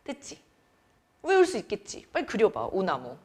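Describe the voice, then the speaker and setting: A young woman teaching a grammar lesson to students in a chatty way, quizzing them with quick questions. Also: mid-range voice, huge pitch swings, breathy edge. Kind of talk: classroom lecture.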